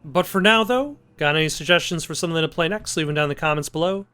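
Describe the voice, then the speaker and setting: A man with a voice a little higher than most hosts a gameplay video. He comments casually and hesitantly, thinking out loud. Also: fast talker, smooth, faint music behind. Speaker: gameplay host.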